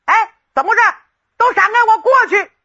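A woman's voice: high voice, sing-song, moderate pace, pushed and bright, lo-fi sound, full character voice. A woman storyteller voicing a hotheaded, rowdy young nobleman who blusters and makes bossy threats. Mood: impatient.

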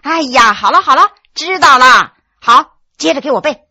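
A woman storyteller voicing a sharp-tongued young wife who scolds quickly and shrilly. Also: sits high, expressive, dry recording, clean studio sound, exaggerated voice. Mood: amused.

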